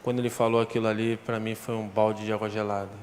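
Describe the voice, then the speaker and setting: A man's voice: fairly low pitch, little pitch movement, fast talker, a little hiss or hum. A man with a Brazilian accent giving a church testimony, telling his story with emotion and acting out the dialogue. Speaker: former football defender giving testimony.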